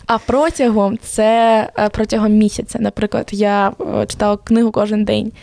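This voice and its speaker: A woman's voice: medium pitch, moderate pace, gravelly. A teenage girl from Ukraine, a podcast guest chatting casually and telling stories with lots of fillers. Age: teens. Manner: chatty, lively storytelling with many fillers.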